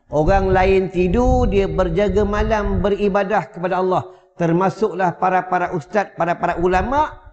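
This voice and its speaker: A man with a Malaysian Malay accent giving a religious lecture in a prayer hall, conversational and joking, at times chanting drawn-out prayers. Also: sits high, darkish tone. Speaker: religious teacher. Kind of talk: mosque lecture. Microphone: wireless mic. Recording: echoey hall, dull sound.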